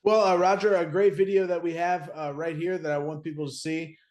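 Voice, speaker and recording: A man's voice: on the high side, flat delivery, fairly quick, a little mellow. Male co-host in a roomy echo. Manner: eager, stumbling restarts. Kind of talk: talk show co-hosting.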